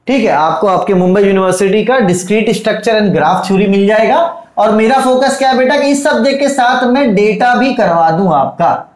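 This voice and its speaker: Male online tutor, casual and reassuring, repeats key points, echoey room. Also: high voice. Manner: reassuring, repeats points, calls students "beta". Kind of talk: casual course introduction. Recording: roomy echo.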